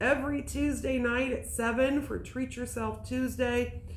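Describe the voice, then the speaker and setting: The voice belongs to a woman. Her speech has audible room echo. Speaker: quilt shop owner and sewing show host. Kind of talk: live-stream sewing tutorial.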